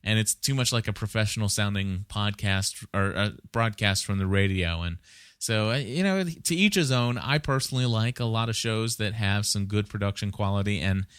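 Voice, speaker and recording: A man's voice: lowish voice, moderate pace, fairly bright tone, clean tone, no echo, studio quality. A man hosting a podcast, rambling casually and conversationally as he thinks aloud and gives advice. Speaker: podcast host.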